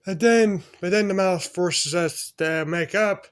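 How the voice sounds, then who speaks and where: A man's voice: high voice, measured pace, clean tone. A man voicing toy figures in silly improvised banter, playful and rambling. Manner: playful, rambling, switches between silly voices. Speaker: fan video voice actor for toy figures.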